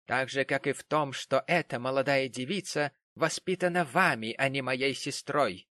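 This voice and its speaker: A man's voice: mid-range voice, moderate pace, bright, forceful tone, no room sound, pitched above the performer's own voice, lightly acted. A man voicing an earnest young man who speaks firmly and with restraint, in an audiobook reading. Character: earnest young man defending his sister.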